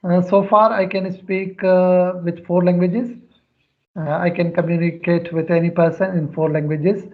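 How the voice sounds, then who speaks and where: A Pakistani man, Sindhi by first language, answering questions in careful, earnest English with frequent hesitations. His voice sits notably high. The audio comes over a muffled, lo-fi online call. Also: little pitch movement. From Pakistan, near Karachi. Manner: earnest, careful, pausing often with filler sounds. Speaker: guest, schoolteacher. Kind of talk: casual English practice conversation.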